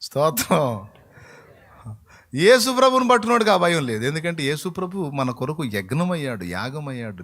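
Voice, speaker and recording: A male pastor, preaching a sermon in a colloquial, emphatic way and acting out bits of dialogue. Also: mid-range voice.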